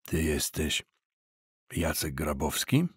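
A male audiobook reader voicing a big, stern, shaven-headed heavy who talks in a booming, flat and curt way. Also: slow, breathy edge, no room sound, clean studio sound, heavily acted. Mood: blunt. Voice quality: booming deep voice. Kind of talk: audiobook character voice.

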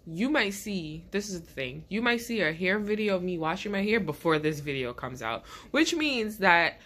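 Her lowish, fairly bright voice carries lively intonation at a moderate pace. This woman in her thirties is vlogging in a small bedroom with a stuffy head cold, rambling chattily to camera and laughing often.

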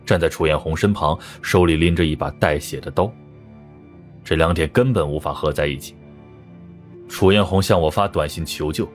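Very deep-voiced male audiobook narrator. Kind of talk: scripted dramatic detective-novel narration in first person.

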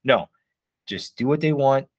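A man's voice: mid-range voice, animated, unhurried, no room sound, highs cut off. A man who is a guest, giving advice in casual live-stream chat, emphatic and filled with "like.". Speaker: guest, game writer.

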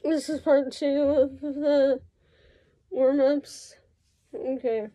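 A slightly hoarse young woman talking casually to camera as she leads vocal warm-ups, recorded on a phone in a room at home. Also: high voice, flat delivery, very slow, no room sound. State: slightly hoarse from being sick. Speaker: amateur singer. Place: small indoor room at home. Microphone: phone propped at arm's length. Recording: dull lo-fi phone audio.

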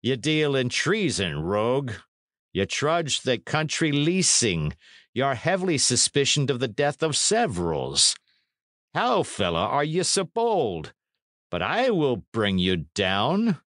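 Man acting a menacing, slow-spoken knight. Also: medium pitch, big pitch swings, a bit bright, no room sound, pitched above the performer's own voice. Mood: stern, accusing. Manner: dry, commanding, archaic speech. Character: menacing, coldly mocking middle-aged knight and lord.

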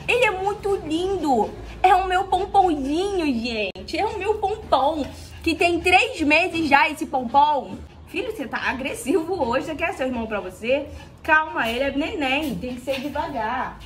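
A young Brazilian woman with a Rio de Janeiro accent, vlogging at home on a phone and talking baby-talk to her dogs while laughing often. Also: high-pitched. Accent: Rio de Janeiro Brazilian Portuguese. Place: home, indoors.

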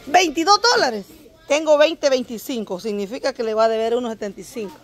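Chatty woman, rather high voice. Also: fairly quick. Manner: chatty, talks straight to her viewers, jokes with vendors. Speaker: vlogger. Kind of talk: casual market-shopping vlog.

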